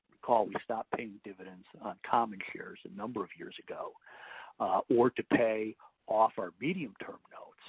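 A man speaking as a company executive, giving a prepared earnings call presentation in a formal, measured, explanatory way. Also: lowish voice, slightly rough. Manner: measured, formal, explanatory, poses questions then answers them. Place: conference call over a phone line. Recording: tinny phone line with roomy echo.

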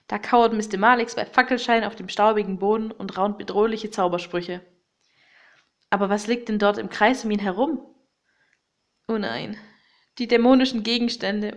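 A woman's voice: mid-range voice, lightly acted. A woman playing a plucky detective who narrates a children's audio story in a dramatic, conspiratorial way. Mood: alarmed, indignant. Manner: conspiratorial, dramatic, addressing young listeners directly. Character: excitable, plucky male detective Otto, leading young sleuths.

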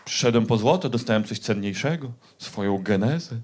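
Animated, profane male stand-up comedian. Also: fairly low pitch, a little fast, noisy background. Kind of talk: stand-up storytelling.

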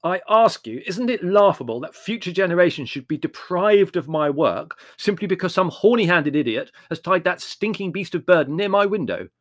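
A pompous, peevish young writer holds forth loudly about his grievances, as a male narrator acts him out. He sounds affronted and lofty, captured in a dry, close recording. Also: mid-range voice, big pitch swings, fairly quick, few pauses, no room sound. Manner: pompous, aggrieved, declamatory.

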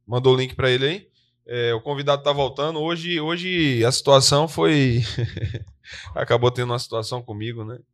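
Guy cohosting a live podcast, chatty and lively, cop on the mic. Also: mid-range voice, normal speed. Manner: lively, talkative, often tags "né?". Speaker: co-host, police soldier.

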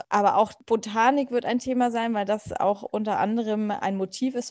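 A woman's voice: medium pitch, darkish tone, dry recording. Woman co-host for an interview podcast, dry booth sound, easygoing. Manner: thoughtful, easygoing, with fillers. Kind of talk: casual podcast chat.

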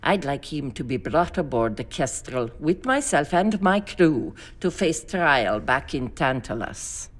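Dignified female starship captain, low and widely inflected, formal, earnest, audio drama. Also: very animated, unhurried, hardly any pauses, exaggerated voice. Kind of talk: science fiction audio drama acting.

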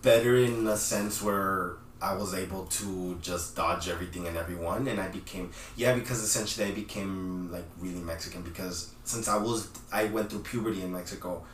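Man, low and soft-spoken, halting casual guest; distant roomy recording with faint hiss. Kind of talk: casual interview.

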